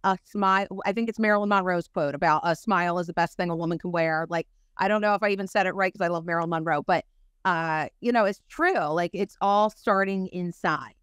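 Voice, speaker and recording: A woman makeup artist, a guest on a podcast, talking in an animated, chatty way full of fillers. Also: lowish voice, a little fast, clean tone, no echo. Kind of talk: casual chat.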